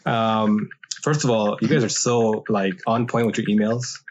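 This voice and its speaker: A man's voice: on the low side, fairly even intonation, a little slow, a little hiss or hum. A male podcast host asking questions in a casual, hesitant way, often repeating words as he thinks. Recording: dull lo-fi sound.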